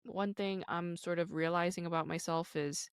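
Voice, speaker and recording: A woman's voice: lowish voice, steady tone, normal speed, clean tone, no echo, clean studio sound. A woman in her thirties hosting her own podcast, talking candidly and casually with lots of "like" and "you know". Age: 30s. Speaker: podcast host. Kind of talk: casual solo podcast talk.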